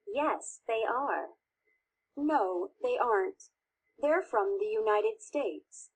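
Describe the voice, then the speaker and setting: A woman reading scripted textbook audio answers, slowly and carefully enunciated. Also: mid-range voice, expressive, breathy edge, low-quality recording.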